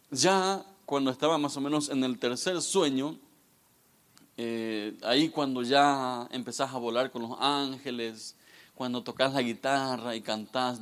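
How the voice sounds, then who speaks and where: A man in his thirties, a guest pastor, giving a lively, joking youth sermon straight to the audience. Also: medium pitch. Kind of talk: youth sermon with humorous stories.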